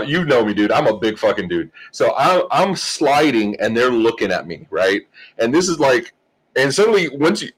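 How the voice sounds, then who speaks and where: Male co-host, mid pitch, casual storyteller who laughs and swears freely. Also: a bit bright, husky, poor audio. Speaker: podcast co-host.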